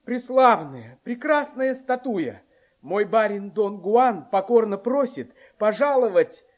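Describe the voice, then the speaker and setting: An actor playing a cowardly, grumbling comic manservant in a classic radio play, wry, fretful and exclamatory. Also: male voice, high voice, big pitch swings, slow pace, heavily acted. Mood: terrified.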